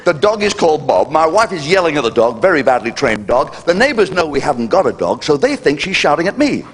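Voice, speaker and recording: Older comedian, lively cheeky delivery. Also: male voice, fast. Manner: brash, cheeky punchline delivery with sudden pitch jumps. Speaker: stand-up comedian. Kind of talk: live stand-up routine. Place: live venue with audience laughter.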